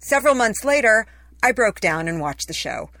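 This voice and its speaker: A woman's voice: on the high side, big pitch swings, moderate pace, fairly bright tone, no room sound. A woman reading her own personal essay as scripted narration, in a conversational, wry storytelling way.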